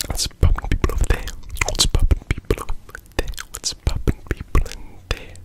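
A man is whispering. He keeps a moderate pace. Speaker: ASMR creator. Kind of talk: ASMR chat, soft close talk. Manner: soft close-mic ASMR murmur. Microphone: studio mic.

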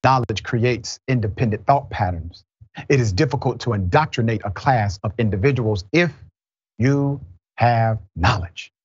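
The voice is somewhat breathy, with ordinary pitch variation and a fairly slow pace. The background is quiet. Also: man. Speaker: political commentator. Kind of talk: news commentary. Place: studio.

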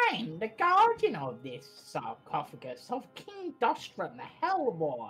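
A man does a put-on character voice, high-pitched and fairly slow, with hardly any pauses. His loudness swings widely over faint music in the background. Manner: ominous.

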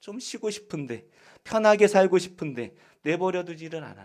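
A man speaks at a moderate pace. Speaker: pastor. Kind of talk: sermon.

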